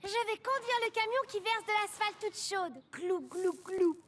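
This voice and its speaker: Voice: very high-pitched, a little slow, a bit bright, a little hiss or hum. A performer voicing a cheerful preschool child in a French children's cartoon, speaking in simple phrases.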